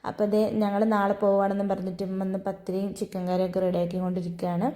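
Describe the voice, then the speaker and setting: A woman's voice: medium pitch, monotone, racing, mellow. A young woman, telling her day in a chatty, storytelling vlog voice-over. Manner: chatty, storytelling, frequent tag "ട്ടോ". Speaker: vlogger.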